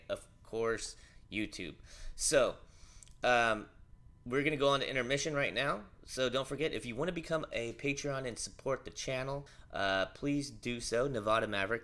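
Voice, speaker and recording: A man's voice: fairly low pitch, sharp tone. A man hosting a livestream, reading news and commenting in a rambling, offhand way with many fillers.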